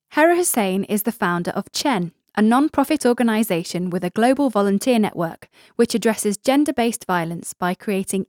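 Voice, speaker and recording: A woman's voice: medium pitch, a little mellow, no room sound, clean studio sound. Friendly woman podcast host. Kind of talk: interviewing and introducing.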